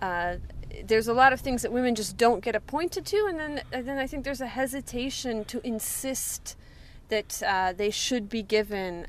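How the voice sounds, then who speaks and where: A woman talks with an ordinary speaking voice and lively intonation at a moderate pace. Her pitch sits fairly high. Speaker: journalist podcaster. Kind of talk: casual chat. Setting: in a car.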